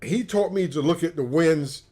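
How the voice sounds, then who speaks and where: A man's voice: a little high, normal speed, warm tone. A man, co-hosting a casual livestream and telling stories with lots of repeated words. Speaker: co-host. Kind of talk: casual storytelling chat.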